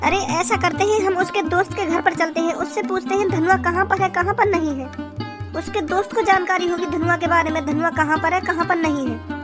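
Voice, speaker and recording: A performer voicing a gentle village mother in a cartoon, comforting her husband. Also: extremely high pitch, fairly even intonation, brisk, over music. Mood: soothing. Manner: soothing.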